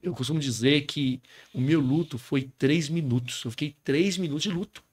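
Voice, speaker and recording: A man's voice: fairly high pitch, normal speed, husky. A man with a Brazilian Portuguese accent, a pastor earnestly telling a personal testimony as a podcast guest, often tagging his sentences with a question. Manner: earnest storyteller, often adds a tag question.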